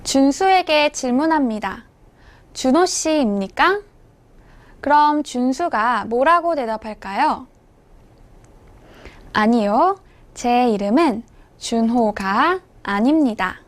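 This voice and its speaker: A woman with a high voice narrates a language lesson as the teacher. She speaks very slowly and enunciates each phrase clearly. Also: lively intonation. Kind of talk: scripted instructional narration.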